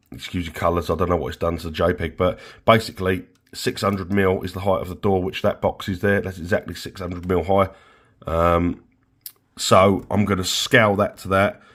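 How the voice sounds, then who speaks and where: A man with a flu-croaky voice, casually explaining his livery design work in a workshop vlog. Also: deep voice. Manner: chatty, explains steps with many fillers. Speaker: vinyl livery maker.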